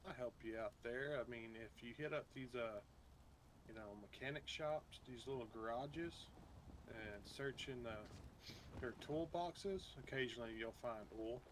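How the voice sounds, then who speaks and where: A man's voice: medium pitch, a little slow. A man speaking casually in character in an online roleplay game, with a folksy, helpful way of talking. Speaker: roleplay gamer playing a survivor. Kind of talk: improvised in-character casual chat. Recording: noisy game voice chat.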